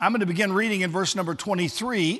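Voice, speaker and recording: The voice is raised and projected, with a bright, sharp tone and lively intonation. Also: man. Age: 60s. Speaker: pastor. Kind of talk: sermon. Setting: church.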